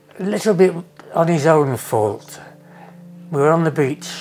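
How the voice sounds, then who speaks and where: With music in the background, a man talks using ordinary pitch variation. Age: 80s+. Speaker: war veteran. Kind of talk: interview answer.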